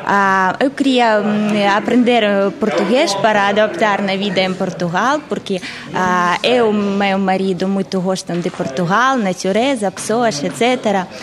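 Hesitant woman learner amid chatter. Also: medium pitch. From Ukraine. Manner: hesitant, halting learner speech. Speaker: language student.

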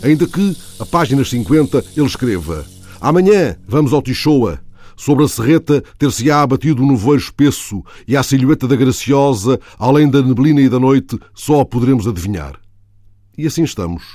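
A man giving scripted, literary narration for a documentary, measured and reading out book passages. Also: mid-range voice, animated, mellow, no echo, studio quality. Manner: measured, reads quotes from a book.

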